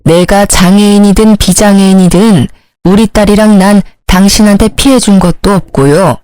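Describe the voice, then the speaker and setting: A woman voicing a dignified middle-aged mother who speaks in a calm, measured way, in a dry recording. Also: mid-range voice, no echo, natural voice.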